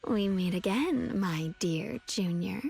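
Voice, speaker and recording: An actress voicing a young swordswoman in an anime-style video game, with a soft, measured delivery. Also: medium pitch, vocal fry, slightly rough, full character voice. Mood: sly, mysterious.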